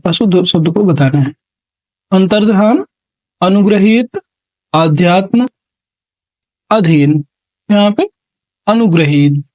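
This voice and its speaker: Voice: mid-range voice, darkish tone, dry recording. A Hindi exam-prep teacher working through multiple-choice spelling questions, reading each option aloud, repeating words and naming the right answer. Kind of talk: classroom lesson on spelling questions.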